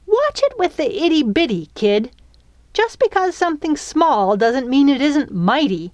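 Woman voicing a feisty, sharp-tongued little fairy. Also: fairly high pitch, big pitch swings, normal speed, dry recording, voice pushed up. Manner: sassy, sharp, irritable.

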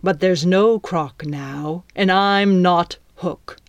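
A woman's voice: on the low side, animated, slow, no echo, dull audio. A woman voicing a menacing male pirate captain in an audiobook, with a commanding, taunting, theatrical manner. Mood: quiet menace.

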